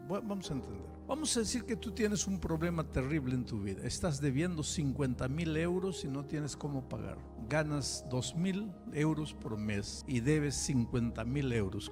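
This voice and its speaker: Fervent male pastor in a reverberant hall. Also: on the high side. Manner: passionate preaching, building from quiet to loud. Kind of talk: sermon. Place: large hall before a congregation.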